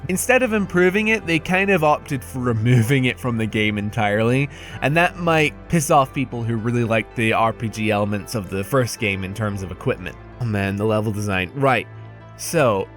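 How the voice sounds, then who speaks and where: A man's voice: mid-range voice, fairly bright tone. A man narrating a scripted video game review in a conversational, candid and wry manner.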